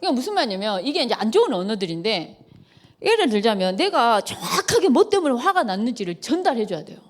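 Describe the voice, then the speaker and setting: A woman's voice: on the high side, fast talker. A middle-aged woman, a pastor's wife, giving a lecture at a church retreat, acting out quarrels and laughing often. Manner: lively, acts out quarrels in quoted voices, laughs often.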